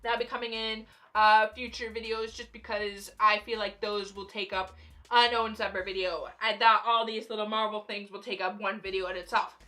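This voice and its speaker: A young woman YouTuber rambles through casual vlog commentary about films, animated and fangirling, with many fillers and laughs. Her mid-range voice moves at normal speed but is going a little hoarse as she loses it.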